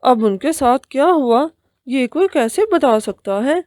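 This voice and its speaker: A woman's voice: sits high, animated, darkish tone, no room sound, studio quality. A woman voicing a simple, kindly male stork and father in a cartoon, speaking earnestly.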